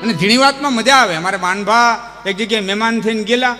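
A man telling folk tales on a live stage, lively and chuckling, chanting verses between the stories. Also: high voice, quick pace. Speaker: folk storyteller. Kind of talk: folk storytelling with recited verse. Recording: long hall reverb with music behind.

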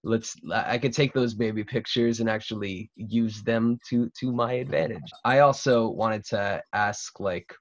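A man's voice: fairly low pitch, fairly even intonation, measured pace, hardly any pauses. A man in his twenties hosting a casual roundtable over a video call, talking in a gushing, slangy way. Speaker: podcast host. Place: cluttered room at home, indoors. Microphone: video call, computer mic. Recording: dull lo-fi video call audio.

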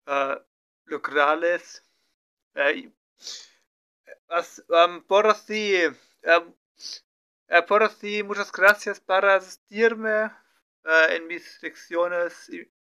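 A man working his way through a story in Spanish as a learner, stopping often to fill gaps and correct himself. His voice sits fairly high and sounds bright and smooth. He takes his time, pausing between short bursts. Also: muffled recording. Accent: non-native Spanish learner. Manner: slow, hesitant, many fillers and restarts. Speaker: language learner streaming his practice. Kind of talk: halting improvised practice talk.

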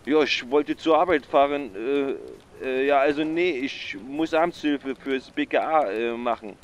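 A man's voice: mid-range voice, unhurried, highs cut off, slight background noise, natural voice. An actor playing a bumbling male secret agent who calls the police, stammering with constant filler sounds. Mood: flustered. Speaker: caller. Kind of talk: radio play acting.

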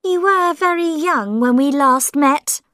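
A woman's voice: sits high, slow, pushed and bright, no room sound, studio quality, voice pushed up, heavily acted. A woman voicing an old woman with a painted face who taunts and wheedles her grown son in a storybook reading. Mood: wheedling. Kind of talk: audiobook character voice.

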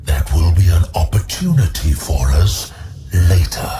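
Very deep, slow demon lord. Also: male voice, big pitch swings. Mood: cold, scheming. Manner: slow, imperious orders. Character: commanding male demon lord, ancient and menacing. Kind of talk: audiobook drama character acting. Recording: loud music behind the voice.

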